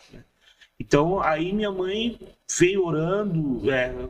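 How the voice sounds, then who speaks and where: A man speaks at a very slow pace. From Brazil, Almirante Tamandaré, Paraná (Curitiba area). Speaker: pastor, church founder. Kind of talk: casual interview chat.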